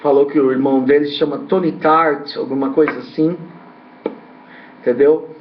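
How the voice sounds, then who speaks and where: A man's voice: a little high, steady tone, normal speed, a little hiss or hum. A man, a ufologist host, giving a rambling, hesitant commentary full of repeats and tag questions. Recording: dull lo-fi recording.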